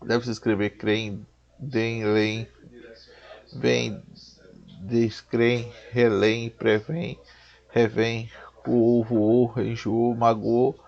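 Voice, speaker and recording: Slow gravelly Brazilian man reading a lesson. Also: mid-range voice, flat delivery. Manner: slow, halting, restarts words and lists. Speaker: teacher. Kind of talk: reading a Portuguese spelling lesson. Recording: dull lo-fi recording.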